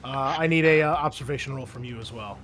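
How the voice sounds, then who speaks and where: A man's voice: medium pitch, quick pace, fairly bright tone. A man acting as game master, narrating scenes and calling for rolls in a tabletop roleplaying game. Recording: faint music behind the voice. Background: music.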